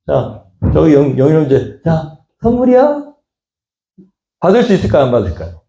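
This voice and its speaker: A man's voice: medium pitch, big pitch swings, fast, vocal fry, warm tone, lo-fi sound. A male pastor preaching a sermon, pressing the congregation with rhetorical questions in casual, conversational speech. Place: church sanctuary. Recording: echoey church hall.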